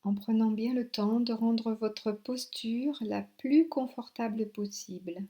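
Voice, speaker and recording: A woman guiding a yoga relaxation meditation as an instructor, giving soothing, unhurried instructions with long pauses. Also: on the high side. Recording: soft new-age music behind. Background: new-age relaxation music.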